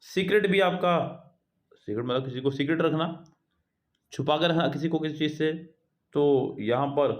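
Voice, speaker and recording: A man teaching an exam prep lesson. He reads each English question out slowly, then explains it in Hindi, addressing his students as guys and children. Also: a little high.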